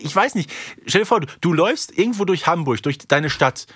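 A man's voice: on the high side, expressive, a little fast, a bit bright, husky, no room sound, clean studio sound. A man co-hosting a podcast with casual, wry, playfully exaggerated humorous commentary. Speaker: podcast co-host.

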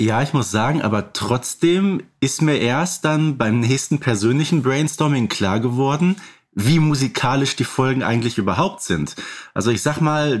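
Male podcast co-host from Germany, mid-range voice, relaxed conversational delivery. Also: mid-range voice. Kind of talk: casual podcast chat.

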